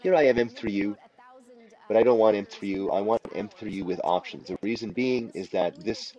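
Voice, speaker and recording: A man with a low-pitched voice talks through a screen-recorded tutorial. He sounds unscripted and instructional, laying out each step deliberately as he goes. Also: dark tone, dull audio. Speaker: tutorial presenter. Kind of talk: unscripted step-by-step software walkthrough.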